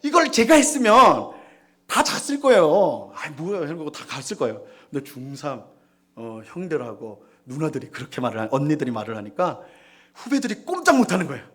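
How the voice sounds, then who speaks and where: A man in his forties preaching a sermon in a church, telling a personal story with animated delivery and acted-out shouts. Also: on the high side, fairly quick. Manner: animated storytelling, acts out shouts and quoted voices. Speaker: pastor. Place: church sanctuary.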